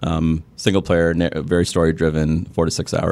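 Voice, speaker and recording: Very deep, low pitch from a man, with monotone, flat intonation. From Sri Lanka. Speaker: video game developer. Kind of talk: interview.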